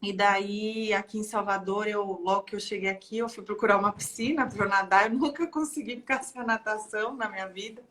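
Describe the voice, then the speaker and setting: A woman's voice: medium pitch, fairly even intonation, fairly quick, few pauses, fairly bright tone. A woman from São Paulo with a Paulista accent, a guest telling her story in an earnest, casual way. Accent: Brazilian Portuguese, São Paulo. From São Paulo, Brazil. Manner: earnest, repeats words when starting. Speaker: guest, marathon swimmer.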